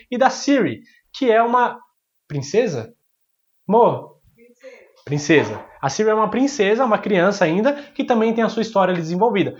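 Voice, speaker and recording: Fast-talking, high-voiced chatty man. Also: lo-fi sound. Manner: chatty, joking, says "mano" and "cara". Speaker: YouTube host ranking series. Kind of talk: casual video commentary.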